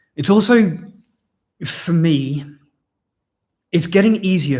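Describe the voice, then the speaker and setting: Moving at a moderate pace, this somewhat breathy voice shows ordinary pitch variation. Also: man. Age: 40s. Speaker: sobriety YouTuber. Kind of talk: livestream talk. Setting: livestream. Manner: casual, hesitant with false starts.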